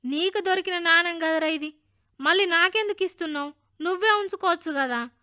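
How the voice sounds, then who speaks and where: Lady doing a high loud village boy, telangana accent, all eager. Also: fairly quick. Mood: moved. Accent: Telangana Telugu. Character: excitable village boy Rangadu.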